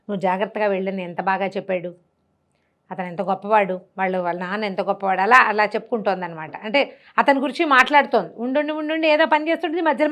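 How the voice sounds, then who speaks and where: Woman storyteller, conversational and explanatory. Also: medium pitch. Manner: conversational, explanatory, repeats phrases, acts out quoted dialogue. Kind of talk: unscripted oral storytelling of a classical tale.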